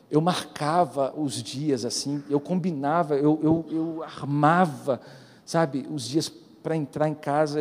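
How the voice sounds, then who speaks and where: A man preaching with a Brazilian accent in a high, lifted voice, swinging from loud calls to courage down to quiet, confiding stories. The sound rings out in a big church with a long, lingering reverb. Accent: Brazilian Portuguese. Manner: swings from loud exhortation to hushed storytelling. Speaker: pastor. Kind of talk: sermon. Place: large church.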